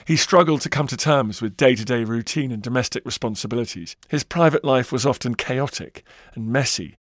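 A man's voice: mid-range voice, no echo, clean studio sound. A man narrating a scripted history documentary with dramatic, varied emphasis.

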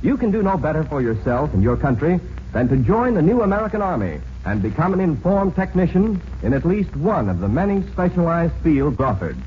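A man announces a 1940s radio program in a formal, emphatic scripted style. His fairly high voice swings widely in pitch. The old recording is muffled. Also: very animated, a little fast, slight background noise.

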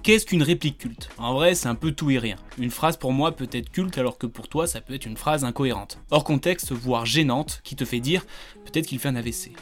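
Wry French podcast host, joking. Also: male voice, mid-range voice, moderate pace, hardly any pauses, soft background music. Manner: wry, joking, full of wordplay. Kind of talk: scripted comic intro, then casual chat.

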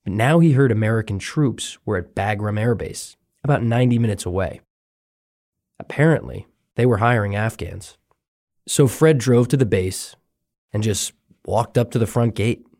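A man hosting a documentary podcast, reading scripted narration in a measured, even way. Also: on the low side, no echo, studio quality. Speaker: podcast host.

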